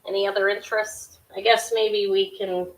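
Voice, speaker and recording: A middle-aged woman with a sharp, high-pitched voice runs a live jewelry auction into her webcam at home. She talks quickly and loosely, filling gaps with ums and self-corrections as she chats with viewers. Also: level tone, rough recording. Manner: quick, scattered, chatty with frequent ums and restarts. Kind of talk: casual live-stream selling. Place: small home room with shelves of jewelry displays.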